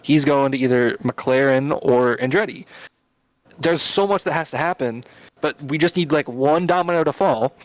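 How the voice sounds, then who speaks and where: A man hosting a casual podcast, thinking out loud with plenty of fillers and restarts. His voice sits at an ordinary middle pitch and is recorded close and dry, with no room sound behind it. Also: moderate pace, no echo, rough recording. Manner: rambling, filler-heavy explaining. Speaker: podcast host. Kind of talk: casual chat.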